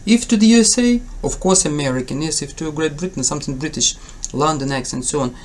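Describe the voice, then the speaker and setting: Speaking fairly quickly in a higher-pitched voice, this Ukrainian-accented tutor gives a relaxed to-camera lesson for an English exam. He's supportive of his viewers even as he pauses, fills gaps, and corrects himself.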